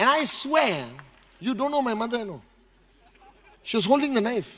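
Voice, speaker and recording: Loud and extremely high-pitched, a man talks at a moderate pace with ordinary pitch variation. Audible room echo and noticeable background noise surround him. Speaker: motivational speaker. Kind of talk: motivational talk. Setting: stage with audience. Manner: animated.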